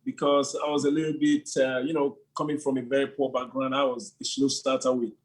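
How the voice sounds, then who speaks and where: A man's voice: mid-range voice, little pitch movement, a little fast. A middle-aged man, a church leader, telling his story with enthusiasm, sprinkling in "you know" and frequent laughs. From Nigeria. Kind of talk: animated interview answers.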